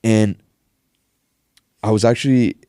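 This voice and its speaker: A young man raised in Canada, telling stories in a relaxed podcast chat. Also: lowish voice, slow, smooth, no echo, studio quality. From Iran, raised in Canada. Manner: relaxed, storytelling, with fillers. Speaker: podcast host.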